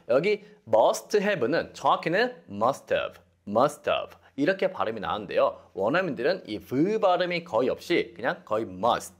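A young man teaching English phrases, explaining them animatedly and acting out sample dialogues. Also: medium pitch.

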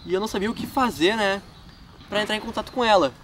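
Young gaúcho dude, highish voice, chatty vlog talk, filmed outside from a distance, noisy park. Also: male voice, fast, a bit bright. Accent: southern Brazilian gaúcho Portuguese. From Rio Grande do Sul, Brazil. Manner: chatty, lots of filler tags, laughs at himself. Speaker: gaming YouTuber. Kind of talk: casual vlog, answering fan questions. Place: outdoors in a wooded park. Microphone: camera mic from a few feet away. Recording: distant camera mic with outdoor noise.

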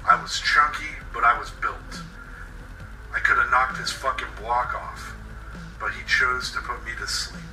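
A man's voice: medium pitch, measured pace, bright, forceful tone, far from the mic. A man reading a horror monologue as a bitter, vengeful captive, brooding and sardonic as he confesses. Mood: grim, determined. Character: bitter, vengeful male captive with anger issues. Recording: roomy echo, set back from mic. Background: music.

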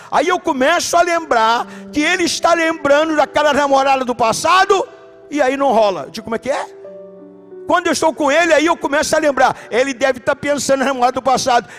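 Brazilian male pastor, very high voice, lively sermon with shouted emphasis, faint music under it. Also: a little fast. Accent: Brazilian Portuguese. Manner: animated preaching, shouts for emphasis. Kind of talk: sermon with storytelling. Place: church.

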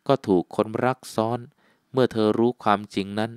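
A man reading the lines of an earnest, devoted young woman in an audiobook, speaking softly and sweetly. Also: medium pitch, fairly even intonation, brisk, clear, resonant tone, no room sound, studio quality, lightly acted. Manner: soft, gentle and sweet.

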